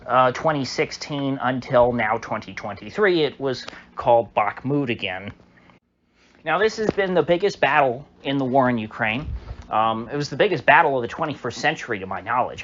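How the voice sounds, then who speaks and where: A man's voice: medium pitch, fairly bright tone. A man giving casual solo commentary, rambling and hesitant, full of fillers and restarts. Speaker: political commentator. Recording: dull lo-fi audio with faint hiss.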